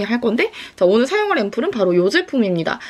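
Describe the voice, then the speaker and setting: A woman speaks in an animated tone. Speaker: beauty YouTuber. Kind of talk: product review tutorial. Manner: fast.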